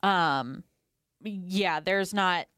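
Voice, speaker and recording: A woman's voice: lowish voice, drawn-out words, a bit bright, clean tone, no room sound, clean studio sound. A woman co-hosting a podcast, casually recapping a reality show episode with frequent fillers. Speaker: podcast co-host.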